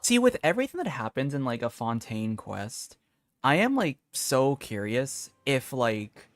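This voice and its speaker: A man's voice: mid-range voice, sing-song, a little slow. A man giving casual, rambling commentary as he streams a video game. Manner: rambling, frequent "like". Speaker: gaming streamer. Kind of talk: casual game commentary and dialogue read-aloud.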